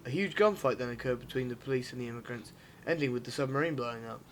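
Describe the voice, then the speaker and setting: A man playing a brisk, pushy ex-cop turned vigilante in an audio drama, explaining things matter-of-factly. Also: medium pitch, slight background noise, lightly acted. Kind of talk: amateur audio drama acting.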